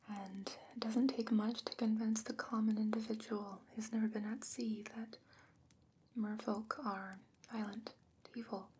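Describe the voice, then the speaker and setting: In a whispered ASMR roleplay, a woman plays a gentle, patient fantasy scholar who defends merfolk, explaining things in a hushed, measured way. Her mid-range voice is lightly acted and carries a wistful, regretful mood over a noisy background.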